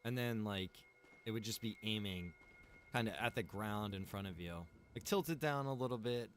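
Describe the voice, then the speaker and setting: Laid-back low-voiced streamer man. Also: moderate pace, a little hiss or hum. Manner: relaxed, rambling, greets chat viewers by name. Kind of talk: casual chat while playing a game.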